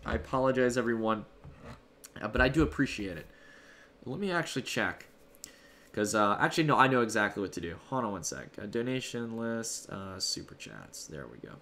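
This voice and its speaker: A man's voice: on the low side, big pitch swings, brisk, sharp tone, slight background noise. A man hosting a livestream from home, casually thanking donors and answering chat in a loose, rambling way. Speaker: livestream host. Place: home room.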